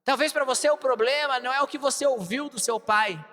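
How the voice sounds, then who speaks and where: A young adult man with a Brazilian Portuguese accent preaching a sermon, telling a personal story with emphatic shouted bursts. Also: very high voice, quick pace. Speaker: pastor. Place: large church hall. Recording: long hall reverb.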